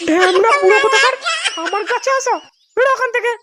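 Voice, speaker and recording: A woman's voice: very high voice, fast, heavy background noise. A woman voicing a furious, scolding young woman in a comic cartoon dub.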